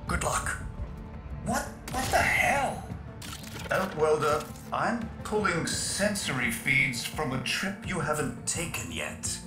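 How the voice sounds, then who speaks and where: Animated, echoey rebel operator. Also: male voice, fairly high pitch, takes it slowly. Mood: uneasy, puzzled. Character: earnest, uneasy rebel mission operator. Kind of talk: video game radio briefing. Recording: echoey, music behind.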